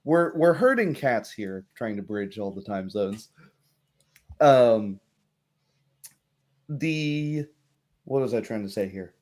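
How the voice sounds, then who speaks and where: Male tabletop host, weary, unhurried and halting, casual recap style. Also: mid-range voice, expressive, darkish tone. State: tired. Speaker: game master and host. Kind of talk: casual livestream chat and recap.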